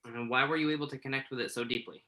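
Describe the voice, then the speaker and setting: A man's voice: mid-range voice, fairly even intonation, rapid-fire, pushed and bright, natural voice, rough recording. A man acting the part of a nervous, earnest entertainment journalist in a conversational play reading, tentative and thoughtful as he interviews. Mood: curious, probing. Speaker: actor in a virtual staged reading.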